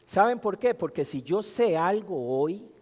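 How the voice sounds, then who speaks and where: A man's voice: high voice, lively intonation, a little slow, darkish tone. A man preaching a sermon in a church, asking the congregation emphatic rhetorical questions. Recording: long hall reverb.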